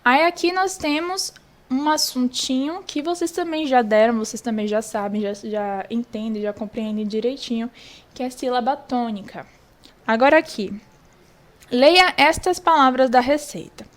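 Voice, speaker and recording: High-voiced woman teacher explaining slowly. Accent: Brazilian Portuguese. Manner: patient, explains slowly and repeats key points to children. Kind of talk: online lesson walking through a worksheet.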